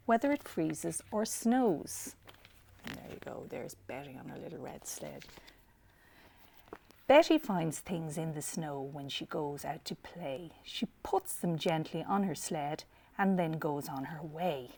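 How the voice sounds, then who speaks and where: A woman's voice: low-pitched, darkish tone. A woman reading a children's picture book aloud expressively, with asides to young listeners. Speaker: library storyteller.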